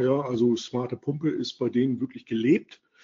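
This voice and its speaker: A man's plain, everyday voice at a medium pitch, with ordinary pitch variation. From northern Germany, Wilhelmshaven. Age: 50s. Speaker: sales expert and app developer. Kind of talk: interview. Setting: web meeting. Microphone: audio problems at start of recording.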